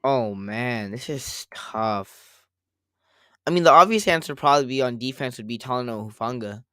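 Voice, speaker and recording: A man co-hosting a casual sports podcast, rambling and circling back to his points, a little hoarse after a cold. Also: mid-range voice, normal speed, bright, forceful tone, no echo, studio quality. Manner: rambling, repeats himself, quotes others. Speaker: podcast co-host.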